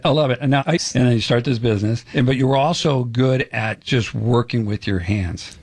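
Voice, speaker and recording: A man's voice: mid-range voice, a little fast, darkish tone, slightly rough. A middle-aged man hosting a casual radio talk show, chatty and jokey with an upbeat manner.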